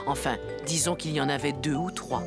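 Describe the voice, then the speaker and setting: A woman narrator reads a children's story in a fairly low voice. Music plays clearly behind her scripted storytelling. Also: fairly even intonation, brisk.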